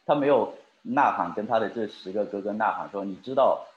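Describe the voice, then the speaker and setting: Addressing his congregation head-on, a man preaches and pulls them in with questions. His voice is on the low side, expressive, and fairly quick, heard through a roomy, dull lo-fi recording.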